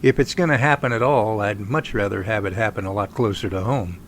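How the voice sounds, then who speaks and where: A man playing an eager, friendly researcher in an audio drama, with a creaky voice and a chatty, enthusiastic manner. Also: fairly low pitch, fairly quick, a little hiss or hum, close to an everyday voice. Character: eager, friendly Sasquatch researcher named Jerry. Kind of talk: amateur audio drama acting.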